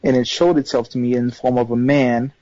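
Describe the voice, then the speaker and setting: Guy from haiti calling in, english not his first language, lots of uhs, mellow dull voice on a phone line. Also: medium pitch, little pitch movement, a little fast, no room sound. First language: not English; third language. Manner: hesitant, many fillers and restarts. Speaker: caller. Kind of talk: phone-in call, telling a personal story.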